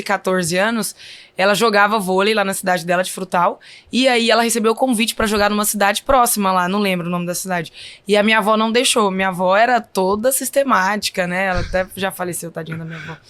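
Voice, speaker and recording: A woman's voice: medium pitch, fairly quick, a bit bright. Chatty woman with a Minas Gerais accent. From Brazil. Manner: chatty, often says "então, assim". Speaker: guest volleyball player. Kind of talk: casual interview storytelling.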